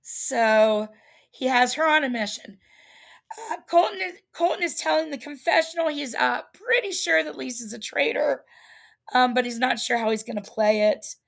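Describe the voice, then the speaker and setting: A woman's voice: high voice, normal speed, vocal fry. A woman hosting a livestream, casually recapping a reality show in a chatty, rambling way with lots of fillers. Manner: chatty, rambling, laughs at herself, many fillers.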